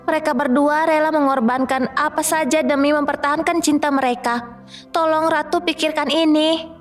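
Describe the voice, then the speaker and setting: A woman's voice: sits high, fairly even intonation, moderate pace, faint music behind, natural voice. A woman voicing an insistent, urgent fairy messenger in a children's fairy tale cartoon. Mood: pleading.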